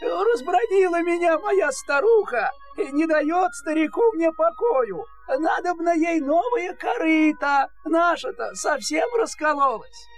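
A man's voice: extremely high pitch, lively intonation, takes it slowly, hardly any pauses, faint music behind, exaggerated voice. An actor playing a meek, plaintive old fisherman in a fairy-tale audio play, pleading in a deferential singsong. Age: older.

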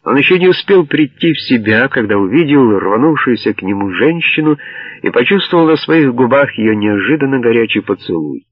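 A man reading a novel aloud as an audiobook narrator, in a measured, even way. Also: medium pitch, husky, no echo. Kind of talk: scripted narration. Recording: dull lo-fi dry audio.

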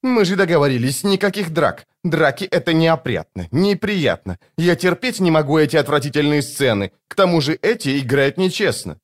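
Male reader as a flippant young god of luck: high, light, fussy. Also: big pitch swings, moderate pace, few pauses.

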